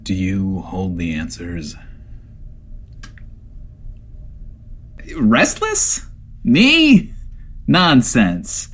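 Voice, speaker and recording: An actor playing a neurotic, self-doubting radio host in a post-apocalyptic comedy audio drama, rambling and stammering theatrically. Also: male voice, low voice, huge pitch swings, very slow, a bit bright, exaggerated voice. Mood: wavering bravado. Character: neurotic, self-doubting male bunker-dwelling radio host, putting on bravado. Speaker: radio show host character.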